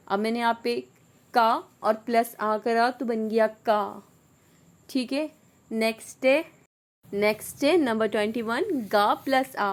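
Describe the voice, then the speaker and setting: Patient woman syllables. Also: fairly high pitch. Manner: slow, drawn-out syllables for repetition; frequent "theek hai" checks with the learner. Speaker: Urdu teacher. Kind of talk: online beginner lesson.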